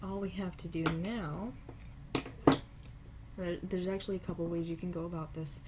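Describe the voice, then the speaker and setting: A woman with a stuffy cold, giving a relaxed, unhurried step-by-step jewelry-making tutorial at home with apologetic asides. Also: lowish voice, very noisy. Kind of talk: casual step-by-step craft tutorial. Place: home craft table.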